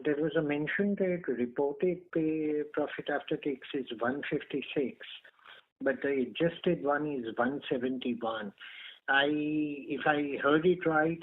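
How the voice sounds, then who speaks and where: A man's voice: a little high, unhurried. A male analyst asking questions on an earnings call in a hesitant, polite manner. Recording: noisy narrowband phone line.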